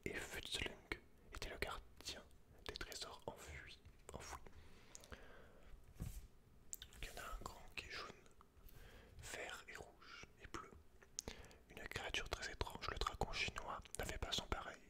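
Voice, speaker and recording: A man whispering in breathy ASMR style, reading aloud with informal, slangy asides, close to the microphone. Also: measured pace, long pauses. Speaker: host of an ASMR channel.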